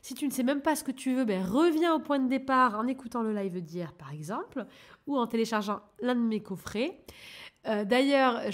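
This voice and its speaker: Gentle French woman coaching her listeners. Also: on the high side. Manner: gentle encouraging, addresses listener directly. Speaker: life coach and channel host. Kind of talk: casual coaching monologue.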